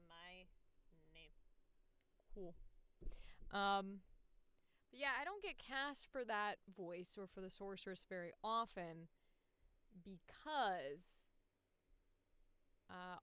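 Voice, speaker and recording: A woman's voice: mid-range voice, a bit bright, clear, resonant tone, no room sound. A woman chatting casually on a livestream as a voice actor, with a slangy, profane and passionate way of talking. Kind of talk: casual livestream chat while working.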